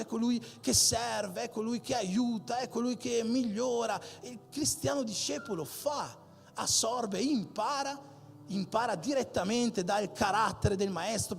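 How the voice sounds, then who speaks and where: Animated male pastor preaching. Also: sits high, gravelly. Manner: animated preaching with repeated emphatic phrases. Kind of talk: sermon. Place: church hall. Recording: long hall reverb with faint music.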